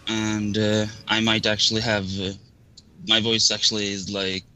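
Norwegian man, low and bright-edged, shy guest speaking in halting English. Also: flat delivery, clean tone, faint music behind. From Norway. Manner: shy, hesitant. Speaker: podcast guest. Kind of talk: casual chat.

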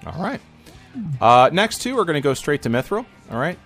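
A man hosting a casual podcast chat, reading game cards aloud in an animated way with plenty of fillers and restarts. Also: a little high, soft background music. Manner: animated, halting with frequent fillers. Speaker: podcast host.

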